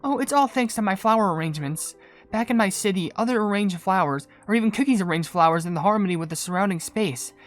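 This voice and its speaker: A man's voice: high voice, animated, quick pace, faint music behind. A man voicing a gracious, earnest female cookie perfumer from a video game, with polite, formal phrasing. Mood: welcoming. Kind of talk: video game cutscene character voice.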